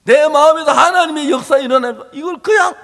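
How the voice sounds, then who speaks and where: Male pastor, very high voice, emphatic repetitive preaching, long hall reverb. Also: fast talker. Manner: emphatic, repetitive, swinging from loud to hushed. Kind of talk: impassioned sermon.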